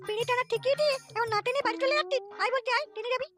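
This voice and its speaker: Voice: very high voice, racing, over loud music. An actor voicing a cheeky, boastful, foul-mouthed little boy with childish lisping pronunciation in a comedy cartoon. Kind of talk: comic cartoon dialogue.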